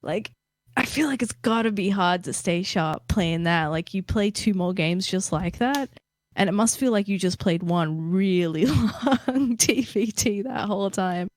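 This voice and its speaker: A woman casting a live esports match, giving steady, analytical commentary on the play. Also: mid-range voice, measured pace, no room sound. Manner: steady, analytical, with light laughs. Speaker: esports caster.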